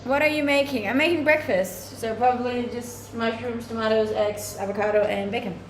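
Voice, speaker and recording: A woman's voice: fairly high pitch, fairly even intonation, fairly quick, reverberant, a little hiss or hum. Chatty Danish woman streaming from her kitchen. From Denmark. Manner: chatty, laughs often, reads chat aloud. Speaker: live streamer. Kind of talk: casual livestream chat while cooking. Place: home kitchen.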